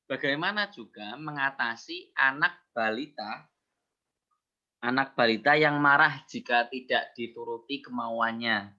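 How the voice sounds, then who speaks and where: Male moderator, very bright tone, dull lo-fi line, reads questions out politely. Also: mid-range voice. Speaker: moderator reading out audience questions. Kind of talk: online Q&A moderation.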